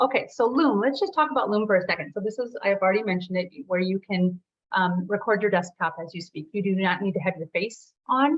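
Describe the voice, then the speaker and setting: A somewhat breathy woman's voice at a medium pitch. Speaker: guest speaker, business coach. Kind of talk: tutorial. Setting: video call. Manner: fast.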